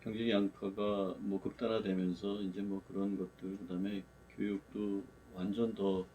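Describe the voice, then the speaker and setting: A man's voice: fairly low pitch, level tone, moderate pace, dark tone, slight background noise, rough recording. A middle-aged man on a discussion panel, speaking in a reflective, rueful way. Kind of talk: casual roundtable discussion.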